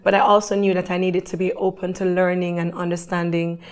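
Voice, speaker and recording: A woman with a lowish voice speaks briskly in a level tone. As a guest in a conversational interview, she tells her story earnestly and with evident faith.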